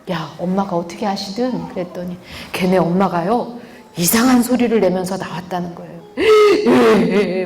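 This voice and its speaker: A woman lecturing a parenting class, lively and talking straight to her listeners, often asking them questions and acting out the quotes she tells. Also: medium pitch. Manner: lively, asks the audience rhetorical questions; acts out quoted speech in vivid voices. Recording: echoey hall, faint background noise.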